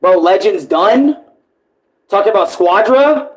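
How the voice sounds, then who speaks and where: Profane, animated man reacting live. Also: high voice, unhurried, rough recording. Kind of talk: live reaction commentary, casual chat.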